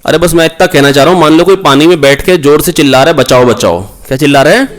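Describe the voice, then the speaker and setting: A man teaching a physics revision class online, coaxing his students, repeating key points and firing quick questions at them. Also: fairly high pitch, fairly even intonation. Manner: asks rhetorical questions, prompts answers. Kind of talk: online exam-prep lecture.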